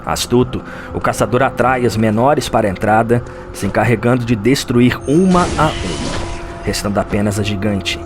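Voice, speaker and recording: A man with a Brazilian accent voicing a lore scholar who narrates a dark gothic nightmare in a grave, theatrical audio drama style. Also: lowish voice, moderate pace, natural voice. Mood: tense storytelling. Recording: music under the voice. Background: music.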